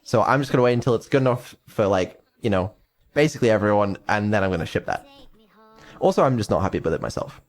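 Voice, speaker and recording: A man's voice: lowish voice, expressive, fast talker. Hesitant, rambling male streamer. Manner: rambling, hesitant, many ums, offhand swearing. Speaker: developer and streamer. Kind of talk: casual live stream update.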